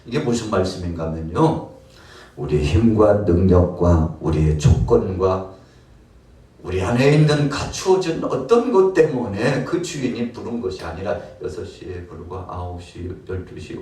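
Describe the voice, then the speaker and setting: A man's voice: lowish voice, darkish tone. A man preaching a sermon as pastor, telling the story dramatically and acting out the scenes. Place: church. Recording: roomy church hall, mic far off.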